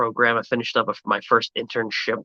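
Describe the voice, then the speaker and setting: A man's bright, sharp voice, with a dry, close sound and no echo. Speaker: streamer and student teacher. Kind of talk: casual chat. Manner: halting, many fillers.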